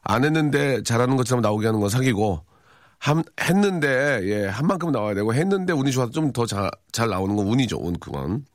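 A man in his forties hosts a live radio show, reading listener messages and chatting casually. His humor is dry and teasing, with a deadpan delivery. The studio sound is close and dry, and his voice sits at an ordinary male pitch. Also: quick pace, no echo. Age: 40s. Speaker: radio host. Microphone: studio microphone.

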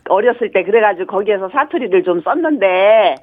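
A woman's voice: medium pitch, lively intonation, brisk, narrow, tinny audio, noisy background. A woman from Chungcheong calling in to a radio show, chatting casually and giggling cheerfully with a Chungcheong accent. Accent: Chungcheong Korean. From Chungcheong, Korea. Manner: giggly, cheerful, laughs often. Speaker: phone-in listener. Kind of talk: casual phone chat.

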